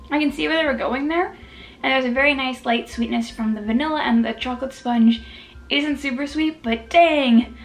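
A woman's voice: fairly high pitch, gravelly. A woman hosting a mukbang, chatting casually about desserts while chewing and tasting. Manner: chatty and self-deprecating, talks while chewing. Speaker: food vlogger.

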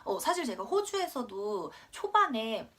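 Her voice is fairly high, sharp and very animated, though her pace is measured. She's an English tutor in her twenties, from Korea and raised in Australia, telling a chatty, rambling, self-mocking story with laughter in a lesson video.

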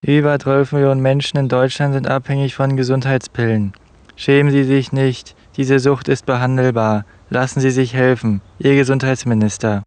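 A man with a medium-pitched voice delivers scripted parody adverts and promos. He announces them in the style of a radio spot for a comedy audio play. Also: little pitch movement, normal speed, darkish tone, clean tone.

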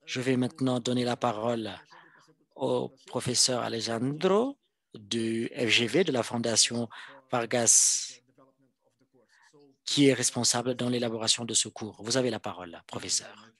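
A man interpreting a formal presentation live, in halting phrases that come piece by piece. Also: medium pitch, fairly bright tone. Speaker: simultaneous interpreter.

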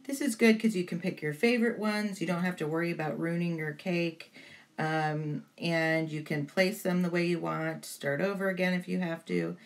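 A woman's voice: on the low side, fairly even intonation, normal speed. A woman giving an informal step-by-step tutorial voice-over in a chatty way, encouraging to beginners. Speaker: baking tutorial host.

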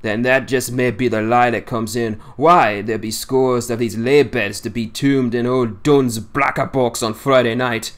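A man's voice: medium pitch, fairly even intonation, unhurried, hardly any pauses, natural voice. A man voicing a boastful, grumbling old seaman in broad dialect, in an audiobook reading. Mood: mocking. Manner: broad dialect, scornful ranting.

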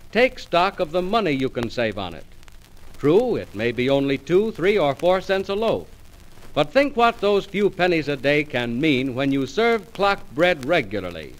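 A man announcing in polished, persuasive 1940s radio style, reading from a script. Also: on the high side. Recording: noisy old radio broadcast recording.

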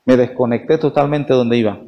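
A man's voice: medium pitch, brisk, muffled recording, slight background noise. A man preaching a sermon at Mass as a priest, emphatic, asking the congregation questions and answering them himself. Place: church. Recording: long church reverb.

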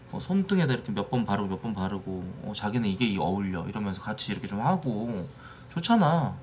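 A man's voice: mid-range voice, darkish tone, slight background noise. A man in his late thirties chatting casually on a live stream, bluntly teasing and swearing at his viewers from a small green-screen room. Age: 30s. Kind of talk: casual live-stream chat reacting to videos.

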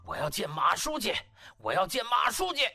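Brief: male narrator as proud elderly doctor at breaking point, wildly swinging pitch, desperate audiobook outbursts. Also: sing-song, moderate pace, creaky, soft background music, heavily acted. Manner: shouting, trembling outrage. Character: enraged, desperate old male doctor clinging to his post. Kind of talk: audiobook character acting.

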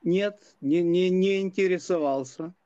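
A man's voice: high-pitched, measured pace, warm tone. A man arguing as a guest on a live video call, stammering and repeating his words. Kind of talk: argumentative live debate. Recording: dull muffled internet call audio.

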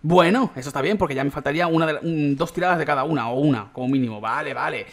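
Excitable young Spanish gaming commentator. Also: male voice, a little high, fast. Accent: Spanish from Spain. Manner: excitable, chatty, swears casually, addresses viewers as chicos. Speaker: gaming YouTuber. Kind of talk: gameplay commentary.

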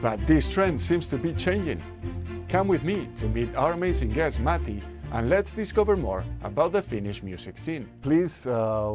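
Male podcast host, 30s, native Spanish speaker; halting delivery with fillers, mid-pitched voice. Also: a little mellow. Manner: hesitant, many uh fillers. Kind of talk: interview. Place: small room with acoustic foam panels.

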